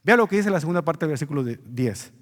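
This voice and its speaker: High-voiced preacher in a reverberant church. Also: male voice, animated, fast talker. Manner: earnest preaching, rising emphasis on key words. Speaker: pastor. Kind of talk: sermon.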